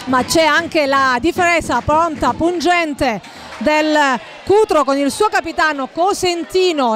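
Woman football commentator, very high voice, live play-by-play, formal wordy phrasing, hesitant pauses. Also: fairly bright tone.

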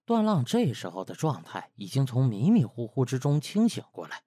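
A man's voice: mid-range voice, wildly swooping pitch, moderate pace, dark tone, slightly rough, no echo, clean studio sound. A man narrating a novel as an audiobook, in a scripted storytelling style.

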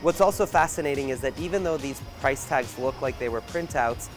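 A man's voice: mid-range voice, fairly quick, rough recording. A man in his thirties reporting on location, chatting curiously as he walks through a large supermarket with a handheld camera. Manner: chatty, curious walk-through while shopping. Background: background music.

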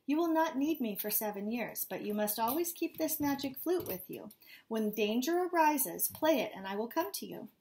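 A woman reading aloud as a wise, magical white mare who gives calm, solemn commands. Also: a little high, normal speed, slight background noise.

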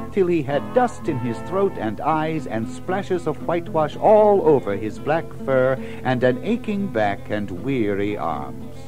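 A male narrator reads a storybook with theatrical relish. His fairly high voice moves freely up and down at a slow pace, lingering on lists and alliteration. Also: rough recording. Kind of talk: expressive scripted storybook narration.

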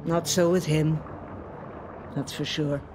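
Old otherworldly lake spirit woman, really slow lyrical storytelling, eerie radio play. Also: low-pitched, fairly even intonation, darkish tone, slight background noise, poor audio. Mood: solemn, proud. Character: ancient female lake spirit, feared, haunting, proudly otherworldly. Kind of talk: audio drama monologue.

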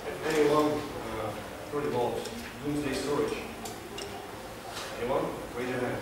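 A man's voice: medium pitch, steady tone, a little slow. Young man, club speech, hesitant fillers, from Kazakhstan, echoey room, distant camera, noisy. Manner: hesitant, many uh fillers, earnest. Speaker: club speaker. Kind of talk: prepared speech to an audience. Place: small meeting room, indoors. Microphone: far camera, no mic.

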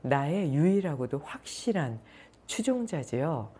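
A woman's voice: low-pitched, sing-song, unhurried, warm tone, slightly rough, full character voice. A woman voicing a male politician earnestly thanking his last listener. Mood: grateful.

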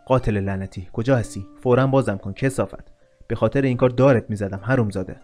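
A man's voice: medium pitch, a little mellow, soft background music, natural voice. Man reading as a scornful nobleman. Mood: furious. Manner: scornful, pleading, insulting. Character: arrogant, desperate young nobleman in chains.

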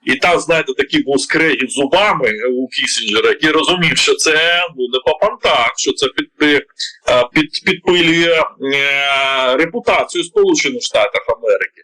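A man's voice: on the high side, normal speed, pushed and bright, low-quality recording. A man with a Ukrainian accent giving heated political commentary, indignant and full of rhetorical questions, with many hesitation sounds.

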